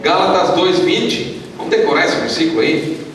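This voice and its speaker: A Brazilian pastor preaching a sermon at a youth retreat, leading the congregation in call-and-response and reading scripture aloud. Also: male voice, sits high, moderate pace, fairly bright tone, slight background noise. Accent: Brazilian Portuguese. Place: large hall at a youth retreat. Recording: echoey hall, voice from far off.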